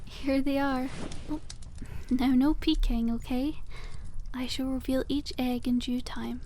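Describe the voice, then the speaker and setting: A woman's voice: high-pitched, little pitch movement, a little slow, dark tone, slight background noise. A woman voicing a cute, cheerful young witch shopkeeper in an ASMR roleplay, with sweet, whimsical, genteel storybook phrasing. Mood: enthusiastic, informative. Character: cute, cheerful young witch running a dragon egg shop.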